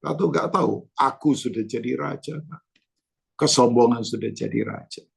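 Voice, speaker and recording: Gravelly-voiced man preaching a sermon. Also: mid-range voice, moderate pace. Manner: animated preaching with storytelling, addresses congregation directly. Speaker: pastor. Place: church.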